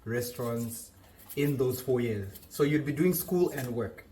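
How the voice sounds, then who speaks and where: Relaxed man chatting. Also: medium pitch, a little slow, a little hiss or hum. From Zimbabwe. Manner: relaxed, joking, restarts often. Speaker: chef. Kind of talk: casual interview chat.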